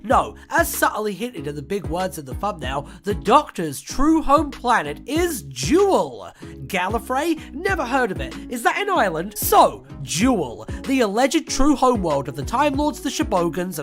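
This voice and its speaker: A woman presenting comedic scripted narration in a tongue-in-cheek, mock-dramatic way. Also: mid-range voice. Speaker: video essay presenter. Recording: voice-over with music behind. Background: music.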